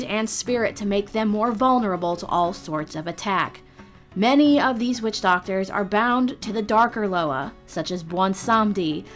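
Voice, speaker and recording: A woman narrates a scripted explainer as a guide host. Her pitch sits in the middle range for a woman, and her delivery is measured and articulate. Music plays faintly behind her. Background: background music.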